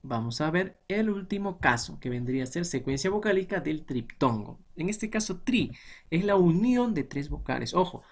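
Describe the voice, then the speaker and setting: A man's voice: on the high side, big pitch swings, normal speed. A man teaching a grammar lesson to students, explaining patiently and often checking that they follow.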